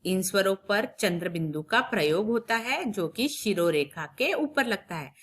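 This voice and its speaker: A woman teacher giving a recorded phonics lesson to young children. She repeats every word and sound slowly and clearly, and stops to ask the children questions. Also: medium pitch, animated, fairly bright tone. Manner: patient, questions the children directly. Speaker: primary school teacher.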